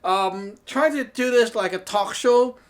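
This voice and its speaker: A man's voice: high voice, a little slow. Chatty man. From Hong Kong. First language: Cantonese. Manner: chatty, laughs often, keeps asking "okay?". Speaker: Taoist teacher and show host. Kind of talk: casual talk show monologue. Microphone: talking to camera.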